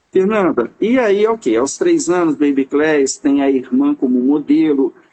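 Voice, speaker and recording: A man speaking at a very slow pace. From Brazil, Minas Gerais (Juiz de Fora). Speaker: interviewer, former ballet dancer. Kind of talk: interview. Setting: live online video call.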